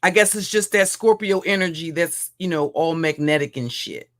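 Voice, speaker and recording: Deep-voiced woman with a mocking, profane rant. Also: normal speed. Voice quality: deep, heavy voice. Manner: mocking, insulting, repeats and restarts phrases. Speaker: livestream commentator.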